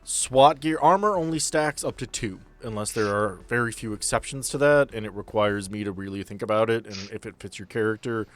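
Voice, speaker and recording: Low-voiced man running a tabletop game. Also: a little fast, hardly any pauses. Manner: profane, joking, explanatory. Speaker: game master and podcast host. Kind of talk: tabletop role-playing game narration and casual banter.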